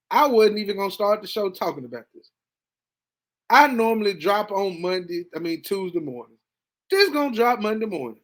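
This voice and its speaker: A man hosting a podcast, reacting casually to a football game, animated and talkative, dropping to low mutters and jumping to excited high bursts. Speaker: podcast host. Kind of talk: casual sports reaction monologue.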